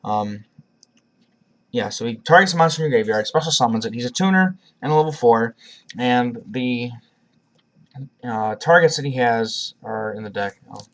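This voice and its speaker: A man's voice: mid-range voice, moderate pace, pauses often. A man presenting a card deck profile in a casual, rambling way, with frequent restarts and a cough drop in his mouth. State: has a cough, talking around a cough drop.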